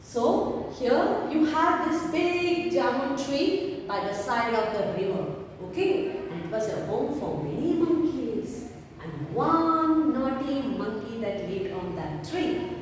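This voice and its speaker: A woman's voice: sits high, lively intonation, slow pace. A woman teacher leading a value-education lesson for young children, asking lots of coaxing questions. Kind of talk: online class storytelling lesson. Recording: echoey room, mic far off, faint noise.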